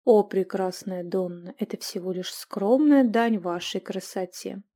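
A woman's voice: mid-range voice, unhurried, mellow, lightly acted. A woman reader voicing a gallant, flowery Viking count who speaks pompously and courtly.

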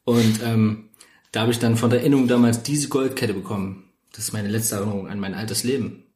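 A man playing a proud, melodramatic welder in a tabletop game, telling his past in a halting, mock-solemn way. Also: lowish voice, fairly even intonation, a little mellow, roomy sound, slight background noise, natural voice. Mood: mock-solemn nostalgia.

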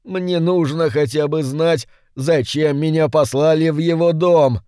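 A man voicing a desperate, whining minor male demon, pleading in a strained high voice for an audiobook. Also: fairly even intonation, measured pace, mellow, clean tone, no room sound, studio quality, close to an everyday voice. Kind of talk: audiobook character voice.

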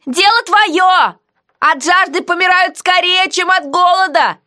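A woman's voice: extremely high pitch, measured pace, bright, forceful tone, pitched above the performer's own voice, heavily acted. A woman voicing a defiant, cheeky female prisoner who answers with mocking, sassy retorts.

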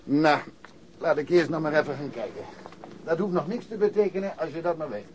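A man's voice: fairly high pitch, brisk, darkish tone, a little hiss or hum, lightly acted, low-quality recording. An actor in a Dutch radio drama playing a grumbling, work-shy veteran patrol policeman.

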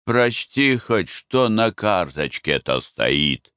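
A man doing a gruff grumpy husband, low and dry, no room sound. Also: big pitch swings, slow pace, a bit bright, dry recording, full character voice. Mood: grumbling. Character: grumpy middle-aged merchant husband, gruff and stubborn.

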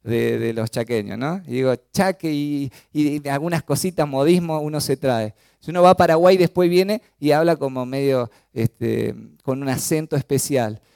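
A man's voice: mid-range voice, normal speed, gravelly, few pauses, darkish tone, smooth, no room sound, clean studio sound. A man from Chaco with an Argentine accent, preaching a sermon with emphasis and frequent rhetorical questions. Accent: Argentine Spanish.

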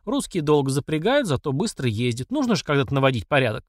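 A male narrator voicing a fierce older mother who shouts, mocks and speaks in folksy sayings. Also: mid-range voice, big pitch swings, fast talker, dry recording, studio quality, natural voice. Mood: calm. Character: fierce, furious older working-class mother.

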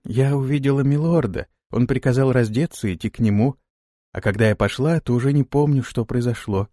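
A man's voice: mid-range voice, fairly quick, warm tone, no echo, clean studio sound, close to an everyday voice. A man voicing a terrified young woman stuck in a swamp, crying for help. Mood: distraught.

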